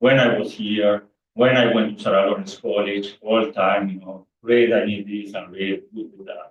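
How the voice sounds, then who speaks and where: A man with a Spanish accent at a moderate pace. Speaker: professor. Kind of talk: conference talk, personal tribute. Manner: halting, with repetitions.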